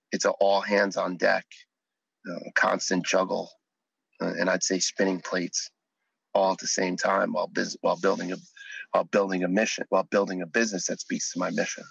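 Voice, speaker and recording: A man's voice: low voice, vocal fry, fairly bright tone, breathy edge, no room sound, dull audio. A middle-aged man, an educator, speaking earnestly as a podcast guest about his mission. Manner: earnest, driven, speech-like. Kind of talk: casual podcast interview.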